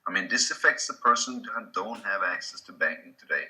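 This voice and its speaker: A man with a Swedish accent, a native Swedish speaker, giving a casual slide presentation with halting restarts. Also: on the low side, bright, forceful tone. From Sweden.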